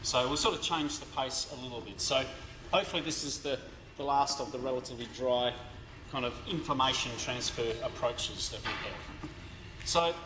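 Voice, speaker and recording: A man giving a university law lecture in a hoarse, tired voice, speaking haltingly with many fillers and restarts. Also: medium pitch. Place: large lecture hall. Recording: echoey lecture hall recording with background noise.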